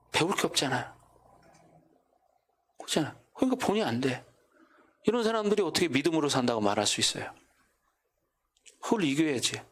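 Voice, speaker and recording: A male pastor delivers a sermon in church, pitched a little high for a man. His intonation rises and falls sharply as he fires off rhetorical questions. He also mimics what the neighbors might say. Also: fairly bright tone. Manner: preaching with constant rhetorical questions; acts out quoted neighbors in his own voice. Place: church sanctuary.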